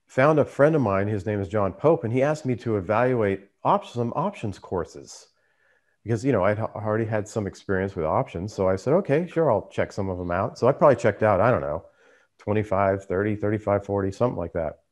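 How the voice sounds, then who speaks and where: A man's voice: lowish voice, lively intonation, fairly quick. A man who hosts a trading channel, telling his story in a casual, conversational way. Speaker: trader and YouTube channel host.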